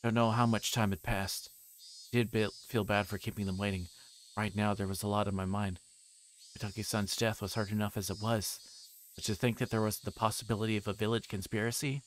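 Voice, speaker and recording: A man livestreaming a visual novel, reading it aloud in a casual, halting way that stumbles over words. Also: lowish voice, level tone, a little hiss or hum. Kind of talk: casual narrated read-aloud.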